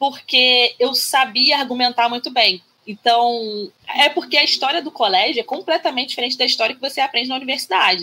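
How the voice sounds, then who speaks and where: A woman's raised, projected, high-pitched voice at a fairly quick pace, with big swings in loudness. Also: ordinary pitch variation, hardly any pauses. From Brazil, Rio de Janeiro suburbs. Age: 30s. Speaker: history master's student and beauty content creator. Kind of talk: casual interview chat.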